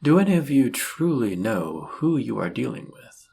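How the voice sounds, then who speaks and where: A man playing an arrogant demon prince of lust in an audio roleplay, speaking in a suave, condescending, flirtatious manner with a husky, gravelly voice. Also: medium pitch, sing-song, moderate pace, darkish tone, slight background noise. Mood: mocking, haughty. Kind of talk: scripted audio roleplay addressed to the listener.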